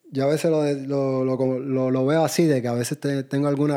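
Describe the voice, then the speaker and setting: The man's voice sits at a fairly high pitch with a dark, mellow tone. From Puerto Rico, west coast (Aguada). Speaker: teacher. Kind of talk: interview.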